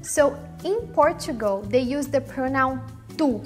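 A Brazilian woman teaches language to camera in a clear, explanatory way. Her voice sits high, and soft music plays faintly behind her. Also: animated, a little slow. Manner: clear, explanatory, demonstrating pronunciations. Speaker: language teacher and channel host. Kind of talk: scripted lesson to camera.

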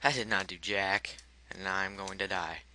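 A man's voice: sits low, fairly even intonation, moderate pace, bright, forceful tone, slight background noise. A man commentating his own gameplay, frustrated and swearing at the game while muttering the menu choices he picks, his voice cracking. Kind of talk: let's play commentary.

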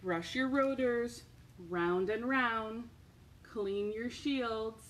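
A woman hosting a storytime for small children, reading and chatting in an expressive, sing-song manner, recorded indoors at home. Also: fairly high pitch, very slow, low-quality recording. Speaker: children's librarian, storytime host. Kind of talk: children's storytime read-aloud and chat. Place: indoors, home living room. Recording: home recording with faint background noise.

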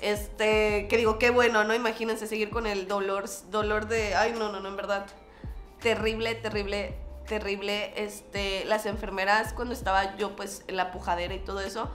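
A Mexican woman vlogger telling a personal story in a casual, animated way, acting out quoted dialogue. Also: medium pitch, moderate pace, echoey room, faint music behind. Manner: animated, acts out quoted dialogue with lots of fillers.

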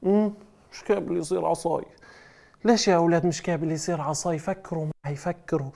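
A man's voice: on the high side, steady tone, quick pace, creaky, warm tone. A man, presenting magic tricks to children and leading them in call-and-response. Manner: coaxing, call-and-response with children, playful exclamations. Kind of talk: lively children's show presenting.

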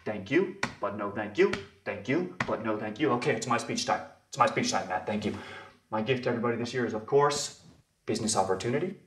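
A man playing a smarmy salesman uncle hijacking a family Christmas toast, low and insistent. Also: expressive, fairly quick, fairly bright tone, far from the mic, slight background noise. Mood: pushy. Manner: low, pushy, repetitive. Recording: roomy echo.

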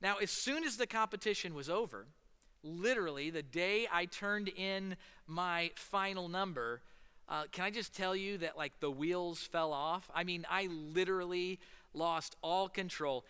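A Midwestern-accented man in his thirties preaches a relaxed, anecdotal sermon from a church stage into a headset mic. His voice is bright, crisp and a touch high. A long hall reverb trails his words. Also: a little slow. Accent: Midwestern American. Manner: storytelling, animated with hand gestures, seated on a stool. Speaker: pastor. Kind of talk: casual conversational sermon. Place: church stage in front of a large screen.

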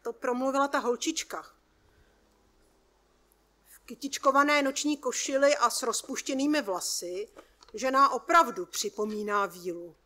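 A woman reading her own first-person short story aloud in a calm, measured way at a workshop presentation. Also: high voice.

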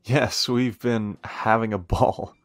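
A man acting a friendly, playful, eager young cafe helper in a romance audio roleplay, teasing and warm in a conversational way. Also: lowish voice, steady tone, slow pace, dry recording. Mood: polite, friendly.

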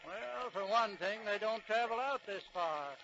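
A man's voice: sits high, a little slow. An actor playing a cautious, homespun wagon-driving father in a drawling, hesitant 1940s radio drama style. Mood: wary, opinionated. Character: folksy cautious covered-wagon father heading west. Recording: muffled 1940s radio recording.

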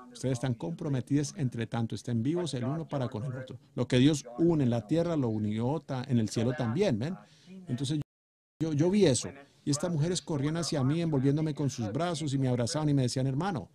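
A man delivers a sermon with a dark, mellow voice. He preaches earnestly, rising to loud calls and then dropping to hushed storytelling. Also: mid-range voice, expressive, brisk.

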